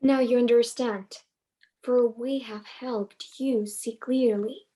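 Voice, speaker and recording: A woman playing a solemn, righteous suppliant in a measured, formal reading of Greek tragedy. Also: on the high side, fairly even intonation, mellow, rough recording. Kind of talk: live dramatic reading of ancient Greek tragedy. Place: online video call.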